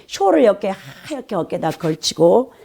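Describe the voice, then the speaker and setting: A woman pastor preaching a sermon, telling stories animatedly and checking in with the congregation through quick "eh?" asides. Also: mid-range voice, sing-song, vocal fry, mellow, slightly rough.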